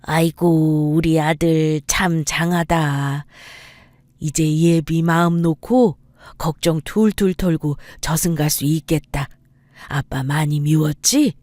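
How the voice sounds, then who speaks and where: Woman putting on a low, slow ghost dad, soft and regretful, storybook vibe. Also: steady tone, dry recording. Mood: tender. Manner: slow, tender, fatherly. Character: dead old father, gentle, regretful.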